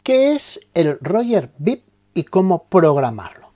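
A man with a high-pitched, slightly mellow voice narrates instructions step by step, speaking slowly with a sing-song lilt. Teaching didactically, he explains terms, asks questions and answers them.

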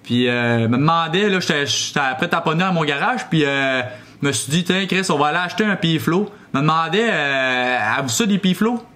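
A young man with a Quebec French accent, talking casually and haltingly as a prank caller. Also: on the high side, animated, pushed and bright. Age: young adult. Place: small room indoors.

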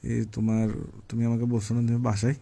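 An actor playing a pushy young boyfriend who nags and teases insistently in a comedic phone-call sketch. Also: male voice, mid-range voice, little pitch movement, quick pace, vocal fry, warm tone. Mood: nagging. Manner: insistent, needling, teasing.

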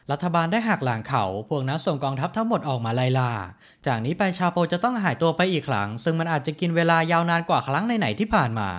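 A man narrating a TV series recap in a chatty, casual storytelling way, with polite sentence endings. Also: a little high.

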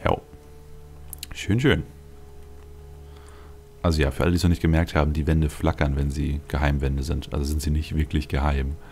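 A man's voice: a bass voice, little pitch movement, moderate pace, pauses often, darkish tone, a little hiss or hum. A man hosting a let's play with casual game commentary, thinking aloud with wry, dry asides. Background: game music.

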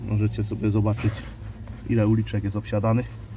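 A beekeeper and channel host casually explains his work at the hives while filming a hands-on vlog on a handheld phone camera, thinking aloud with fillers. His lowish, warm voice is monotone and a little fast, over slight background noise of faint outdoor ambience and buzzing bees.

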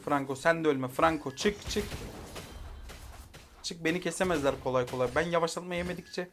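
A man giving live commentary over a mobile game, exasperated and barking rapid repeated commands, then calmly talking to viewers at the end. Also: on the high side, a little hiss or hum. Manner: calm wrap-up talk to viewers at the end.

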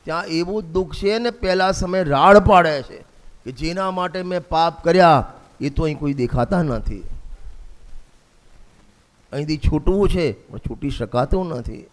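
A man's voice: on the high side, moderate pace, long pauses, a little mellow. A man delivering a sermon in a slightly raised voice, returning again and again to one refrain and pressing his listeners with rhetorical questions. His voice rings out through the long reverb of a large hall. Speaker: preacher.

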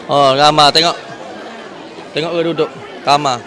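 A man's voice: a little high, steady tone, a little slow, pushed and bright. Guy w southern thai malay accent doing casual live vlog, repeats himself, phone mic, lots of crowd noise in big public hall. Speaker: vlogger. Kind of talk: casual live commentary with devotional phrases. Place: large, crowded airport check-in hall. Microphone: handheld phone. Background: crowd chatter.

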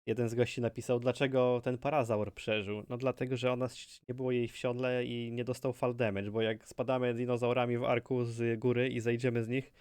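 A man talks casually, as a gaming video creator does. His voice is mid-pitched. The sound is close and dry. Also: flat delivery, brisk, few pauses, a little mellow, clean tone, no echo. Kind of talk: casual commentary.

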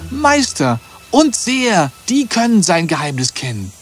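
Loyal royal companion voiced by an actor, earnest and emphatic, animated fairy tale, widely varied pitch. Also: measured pace, soft background music. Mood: realizing, thoughtful. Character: loyal, earnest bearded man, a king's devoted friend.

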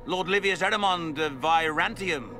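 An actor playing a pompous, sneering mage lord in a video game, with a theatrical drawl. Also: male voice, high voice, a little slow, bright, forceful tone. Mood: smug, mocking.

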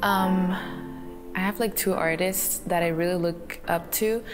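Soft-spoken giggly teenage woman. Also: fairly low pitch, steady tone, a little slow. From Canada. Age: teens. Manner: soft, giggly, many ums. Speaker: interviewee. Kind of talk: recorded profile interview. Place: photo studio room. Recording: clip played with faint music.

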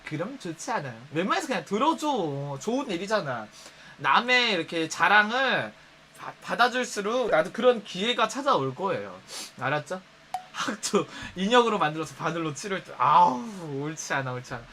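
A man's voice: sits high, big pitch swings, moderate pace, bright, forceful tone, slight background noise. A man giving casual advice in a campy, teasing way, often acting out little scenes. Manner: campy, teasing, playacts voices.

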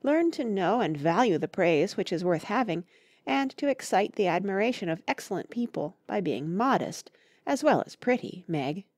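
A woman voicing a grave, gentle mother giving measured advice to her daughter in a storybook reading. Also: medium pitch, expressive, no room sound.

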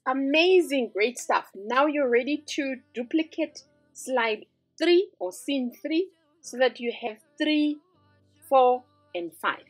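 Breathy upbeat woman teaching a tutorial. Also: high voice, animated, slow, no room sound, faint music behind, rough recording. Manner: upbeat, step-by-step instructing. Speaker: tutorial host. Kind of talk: screen-recorded design tutorial.

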